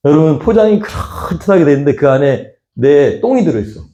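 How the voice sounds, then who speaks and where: A man's voice: on the high side, big pitch swings, brisk, warm tone, highs cut off. A male pastor preaching a sermon, pressing the congregation with rhetorical questions in casual, conversational speech. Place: church sanctuary. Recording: echoey church hall.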